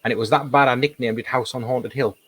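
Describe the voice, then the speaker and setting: A man with a slightly hoarse voice, chatting casually as an interview guest and telling anecdotes with emphatic repetition. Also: mid-range voice, steady tone, fast, a bit bright, no echo. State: slightly hoarse, losing his voice. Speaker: paranormal investigator, interview guest.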